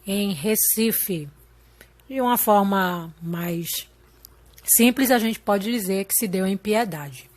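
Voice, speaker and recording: Woman teacher, unhurried, patient, checks in often with young pupils. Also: mid-range voice. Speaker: primary school teacher. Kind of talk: slow recorded lesson.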